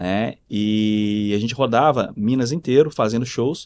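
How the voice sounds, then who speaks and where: A man's ordinary pitch variation comes through in a very clean recording against a silent background. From southern Brazil, Rio Grande, Rio Grande do Sul. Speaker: vocational school director. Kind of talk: podcast interview.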